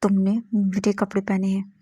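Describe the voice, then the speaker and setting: A woman's voice: medium pitch, completely flat delivery, moderate pace, warm tone, breathy edge, no room sound, studio quality, natural voice. A woman voicing a stern, reserved young man who speaks in curt, cold rebukes.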